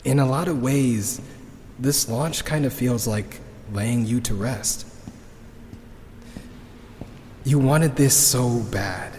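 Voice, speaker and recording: A man playing a grieving, weary rocket builder in a sci-fi audio drama, with a husky voice and a halting, subdued, confessional delivery. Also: medium pitch, darkish tone, slight background noise, natural voice. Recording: long reverberant hall echo.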